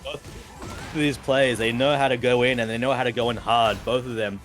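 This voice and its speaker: A man with an Australian accent giving play-by-play and analysis of a fighting game, steady and analytical, lifting with excitement on big moments. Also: mid-range voice, a little fast. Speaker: esports caster.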